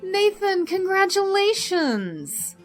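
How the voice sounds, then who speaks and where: A woman's voice: extremely high pitch, sing-song, slow, soft background music, exaggerated voice. An actress playing a frank, dryly humorous female doctor in a naturalistic audio drama. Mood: teasing, surprised. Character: frank, warm-hearted female doctor, mother.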